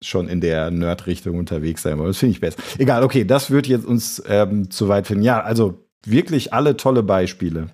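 A man's voice: lowish voice, animated, fairly quick, few pauses, a little mellow. A man co-hosts a podcast. He talks in a casual, conversational way. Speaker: podcast co-host.

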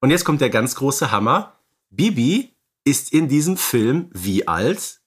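A man's voice: medium pitch, sing-song, a little slow, slightly rough. Explanatory man co-hosting a podcast. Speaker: podcast co-host. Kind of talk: casual film discussion.

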